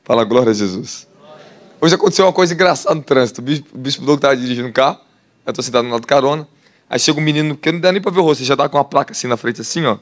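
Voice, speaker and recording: A man with a Brazilian Portuguese accent preaching a sermon, animated and laughing, putting questions to the congregation. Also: mid-range voice, rapid-fire. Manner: animated, asks the crowd questions, laughs often. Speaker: apostle preacher. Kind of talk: sermon teaching.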